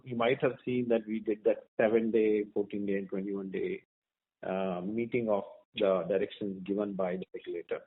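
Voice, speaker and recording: Narrow phone-line audio, man, Indian accent, company executive, earnings call answers, measured, explanatory, hesitant pauses. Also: fairly low pitch. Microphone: conference call line. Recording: tinny narrow-band conference phone line.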